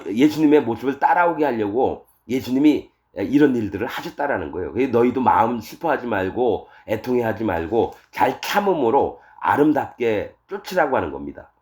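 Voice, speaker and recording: A man's voice: medium pitch, a little mellow. A middle-aged male pastor preaching a verse-by-verse Bible sermon, acting out masters and servants in quoted voices.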